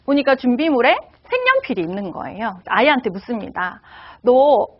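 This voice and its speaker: A woman's voice: on the high side, very animated, moderate pace, lo-fi sound. A woman giving a lecture to parents, asking the audience rhetorical questions.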